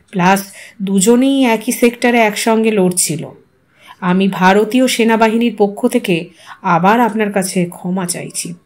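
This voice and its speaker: A woman voicing a courteous, apologetic male army colonel in an audio story, speaking formally and gravely. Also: mid-range voice, natural voice.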